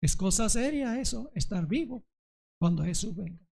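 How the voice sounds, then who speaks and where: A man's voice: high-pitched, lively intonation, moderate pace, creaky, dark tone, husky. A male pastor giving a sermon, often checking whether the congregation understands and retelling a parable dramatically. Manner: preaching, often asking the congregation if they understand.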